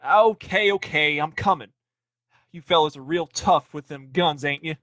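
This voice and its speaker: A man's voice: on the high side, normal speed, a bit bright, no echo, close to an everyday voice. A man acting a cocky, taunting young sheriff's son in a Western audio play, using folksy wording.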